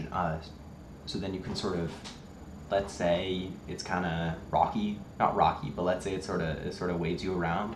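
A man talks at a moderate pace with a very deep, low pitch and fairly even intonation. Noticeable background noise runs behind him. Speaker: streamer. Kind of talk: casual vlog chat. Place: home room.

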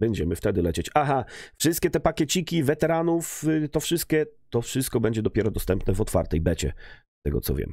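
A man speaks very fast with vocal fry and very wide pitch swings against a quiet background. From Poland. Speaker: gaming youtuber; podcast co-host. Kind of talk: casual chat. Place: home room. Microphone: studio mic.

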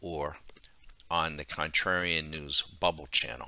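With an American accent, a man speaks at a fairly slow pace in a bright, sharp tone, on a very clean recording with a silent background. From Massachusetts (Lynn, Boston area). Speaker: stock trading tool vendor. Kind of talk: sales pitch with live market commentary.

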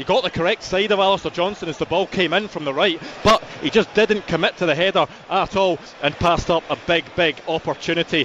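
Talking at a fairly quick pace, a man with a high voice comes through with a dry, echo-free sound over light background noise. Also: fairly even intonation. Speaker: match reporter. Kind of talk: live match reporting. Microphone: studio mic.

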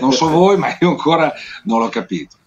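The speech moves at a moderate pace with lively intonation. Light background noise can be heard. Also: man. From northern Italy. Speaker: band musician. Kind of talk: interview. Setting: video call. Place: home room. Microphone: webcam.

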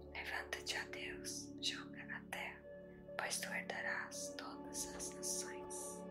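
Someone whispers very slowly in a soft-spoken, calm tone. Music plays in the background. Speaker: Bible reader / ASMR sleep-aid channel host. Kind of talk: whispered Bible reading for sleep. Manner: whispered, calm, soft.

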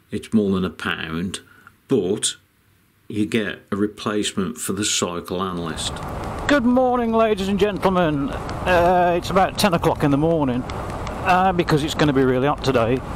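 A man with a Midlands accent talks at a moderate pace and a fairly high pitch, with very wide pitch swings. Noticeable background noise runs underneath. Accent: Midlands English, Birmingham-like. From English Midlands. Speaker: e-bike builder and YouTuber. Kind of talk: casual vlog and tutorial. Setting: indoors workshop, later outdoors. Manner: rambling, informal.

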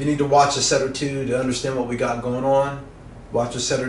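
Over light background noise and audible room echo, a man speaks fairly quickly in a monotone, flat intonation. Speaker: workout host. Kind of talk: casual workout explanation. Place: home room.

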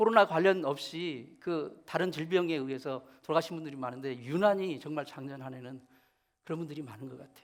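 Ordinary pitch variation marks an unremarkable speaking voice that talks at a fairly quick pace. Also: man. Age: 60s. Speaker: pastor. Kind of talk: sermon.

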